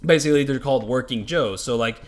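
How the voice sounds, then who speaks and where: Fast, rambling male game commentator. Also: medium pitch, faint music behind. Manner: rambling, loose and profane, heavy use of filler words. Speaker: gameplay commentator. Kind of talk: casual gameplay commentary.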